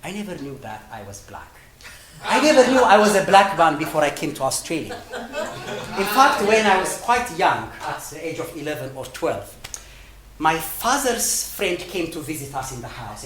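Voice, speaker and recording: Lively, hesitant man with an Ethiopian accent. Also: fairly high pitch, moderate pace, roomy sound, rough recording. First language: Amharic. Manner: hesitant, with many fillers and restarts, often laughing between phrases. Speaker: storytelling speaker. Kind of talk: personal storytelling talk.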